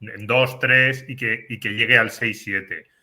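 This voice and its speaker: A man from Spain talks through a course in an earnest, explanatory way, restarting words as he goes. His voice is very bright and sharp. The talk is casual, a panel conversation. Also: on the low side, steady tone, a little slow. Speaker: course presenter.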